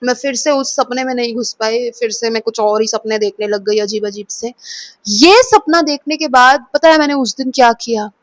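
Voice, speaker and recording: A woman's voice: a little high, normal speed, dry recording. A woman vlogger dramatically retelling a nightmare, often slipping in English phrases. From Kolkata, India. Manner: dramatic, expressive retelling of a dream. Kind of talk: storytelling vlog.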